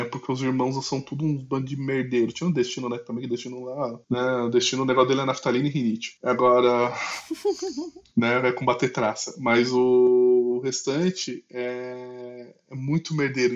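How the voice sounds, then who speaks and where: A Brazilian man hosting a podcast and retelling a comic story in a loose, joking way, tagging his sentences with little questions. His voice sits at an ordinary middle pitch. The recording sounds a bit dull and lo-fi. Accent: Brazilian Portuguese. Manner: animated, jokey, frequent "né?" tags. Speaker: podcast host.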